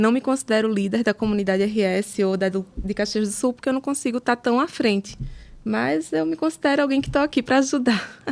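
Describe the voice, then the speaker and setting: The woman's intonation is lively. She moves at a fairly quick pace. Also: fairly high pitch for a woman. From Brazil, Recife (Pernambuco). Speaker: accountant and startup financial consultant. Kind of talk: podcast interview.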